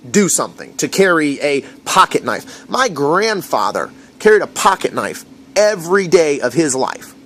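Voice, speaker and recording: A man's voice: fairly high pitch, fairly bright tone. An American man casually recounting an incident to camera in a rambling, indignant rant full of fillers. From USA.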